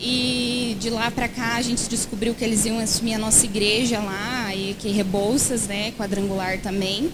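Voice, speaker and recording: A woman speaks at a moderate pace with hardly any pauses, her pitch fairly high and her intonation fairly even. Noticeable background noise and audible room echo are present. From Brazil, Curitiba (Paraná). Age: 20s. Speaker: pastor's daughter-in-law, church member. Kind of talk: interview.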